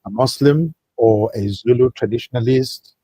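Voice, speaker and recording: South African male guest, husky timbre, dry close mic, holds forth with oratorical flair. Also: medium pitch, moderate pace, dark tone, no echo. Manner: expansive, speechifying. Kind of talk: talk-radio interview.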